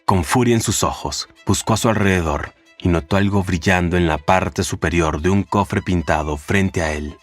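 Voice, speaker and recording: A man narrates a summary of a classic novel in a measured, deliberate storytelling voice. His voice sits very low and deep. Soft music plays faintly underneath. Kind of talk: scripted narration of a book summary.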